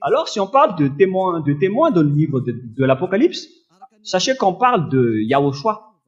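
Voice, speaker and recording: A man preaching a fervent sermon in a loud, forceful, admonishing manner, reading and explaining scripture. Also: fairly high pitch, very animated, normal speed, dull audio. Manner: accusatory, admonishing.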